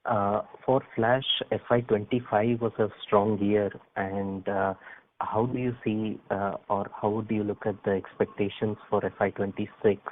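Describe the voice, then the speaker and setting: A man's voice: fairly low pitch, level tone, normal speed. A man with an Indian accent asking questions as an analyst on an earnings call, polite and a little hesitant. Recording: phone-like conference call line.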